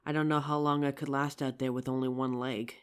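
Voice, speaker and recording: Woman acting as wounded young female survivor, low-pitched, halting, emotive, zombie apocalypse audio roleplay. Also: little pitch movement, clear, resonant tone. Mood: weary, wary.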